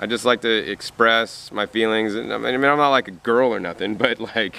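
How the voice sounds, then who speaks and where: A man's ordinary speaking voice at medium pitch, moderate in pace, with fairly even intonation. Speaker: raw vegan and gardening YouTuber. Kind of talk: casual interview.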